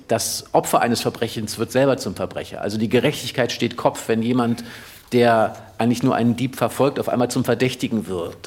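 A man reading a story aloud and then discussing it, with lively character voices. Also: medium pitch, breathy edge. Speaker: reader and guest. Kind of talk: literary reading.

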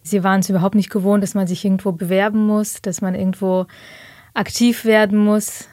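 A woman's voice: mid-range voice, level tone, a little fast, a little mellow, dry recording, clean studio sound. A woman in her thirties, originally from Ukraine, thoughtfully telling her life story as a guest in an interview. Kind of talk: reflective personal interview.

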